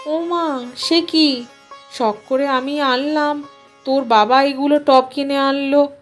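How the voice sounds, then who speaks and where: A woman's voice: sits high, fairly even intonation, takes it slowly, soft background music. A woman voicing a middle-aged wife and mother in an audio story, coy and mock-scolding as she mildly protests. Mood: surprised, hurt.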